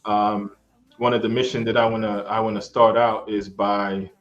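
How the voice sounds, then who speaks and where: A man's voice: lowish voice, little pitch movement, normal speed, lo-fi sound, soft background music. A young man from Haiti, talking earnestly in a casual interview, repeating himself and often asking "you understand?". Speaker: guest, travel YouTuber.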